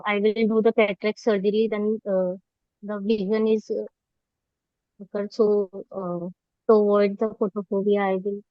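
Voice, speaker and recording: A woman with a South Asian accent answers exam questions as a trainee. Her delivery is halting and deferential. The online recording is dry and a little muffled. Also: medium pitch, no echo. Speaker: medical trainee being examined. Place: webinar call.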